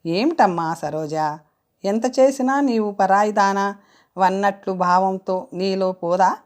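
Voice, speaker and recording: A woman's voice: mid-range voice, lightly acted. A woman reading a fussing, chiding older mother. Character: older mother, kindly and scolding. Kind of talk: audiobook character reading.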